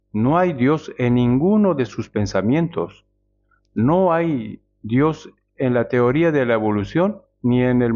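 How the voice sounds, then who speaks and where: A male preacher giving a measured sermon, often asking the congregation rhetorical questions. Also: medium pitch, a little mellow. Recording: dull lo-fi sound.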